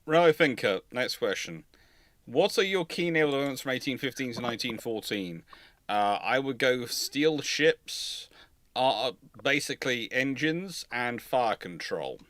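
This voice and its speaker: A man hosting a live question-and-answer chat, halting and repeating words as he reads and answers. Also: medium pitch, expressive, a bit bright, no room sound. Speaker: host answering viewer questions. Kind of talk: live Q&A chat on naval history.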